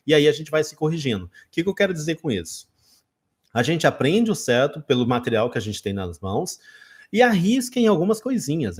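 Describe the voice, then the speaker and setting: A man from Brazil giving a casual spoken English lesson, talking straight to viewers and acting out his own learner mistakes. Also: mid-range voice. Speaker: English teacher.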